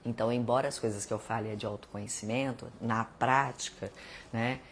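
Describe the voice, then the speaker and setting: A woman's voice: a bass voice, fairly even intonation, fairly quick, slight background noise. A Brazilian woman hosting a live stream, talking casually about self-knowledge and acting out little everyday exchanges for her viewers. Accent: Brazilian Portuguese. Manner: chatty, conversational, addresses viewers as gente, acts out little dialogues. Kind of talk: casual self-help talk.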